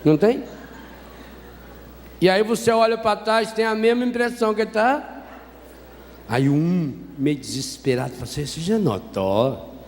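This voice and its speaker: A Brazilian Catholic priest preaching a sermon, telling a story with humor and asking the congregation questions. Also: male voice, sits high, expressive, normal speed, pauses often. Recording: reverberant hall with faint noise.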